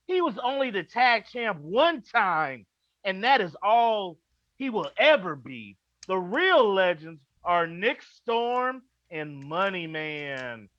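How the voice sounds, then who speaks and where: A man's voice: sits high, bright, forceful tone, dry recording, full character voice. A man playing a cocky, boastful wrestling prince who taunts through a theatrical promo, in lo-fi audio.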